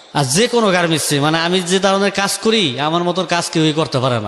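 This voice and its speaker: Noticeable background noise runs under this recording. A man talks in a high pitch with ordinary pitch variation. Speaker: radio confession guest, garment factory operator. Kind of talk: personal life story told in interview.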